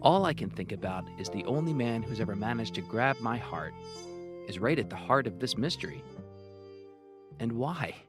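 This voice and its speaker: A man's voice: mid-range voice, expressive, moderate pace, close to an everyday voice. Brooding male private eye over guitar played by an actor. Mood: wistful, troubled. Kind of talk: noir monologue in audio drama trailer. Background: guitar music.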